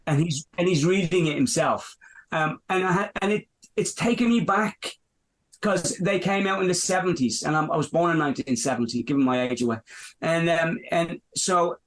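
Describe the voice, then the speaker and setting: Speaking at a moderate pace in a voice on the high side, this fifty-something man from Dublin talks in a podcast interview. He's a business owner whose answers wander, peppered with fillers and false starts, all in an Irish accent.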